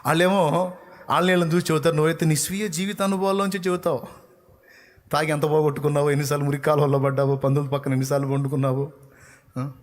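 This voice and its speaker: A man preaching a sermon in a way, firing rhetorical questions and swinging from loud challenges to low, earnest appeals. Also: fairly even intonation, quick pace.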